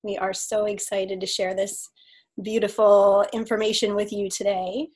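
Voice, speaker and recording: A woman's voice: mid-range voice, flat delivery, normal speed, slightly rough. A woman hosting an online video call, welcoming attendees by name, her voice slightly scratchy from a cold. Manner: warm welcoming, reads out chat names. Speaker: host, life coach.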